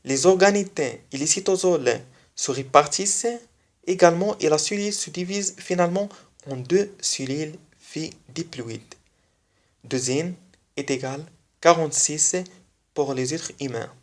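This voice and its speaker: A speaker whose first language is not French, giving a biology lesson online and repeating key phrases slowly for emphasis. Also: mid-range voice. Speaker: biology video teacher.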